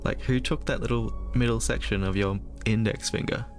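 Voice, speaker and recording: A man's voice: on the low side, fairly even intonation, normal speed. A man giving casual, wry live commentary as he streams a horror game, with game music behind him. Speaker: streamer playing a horror visual novel.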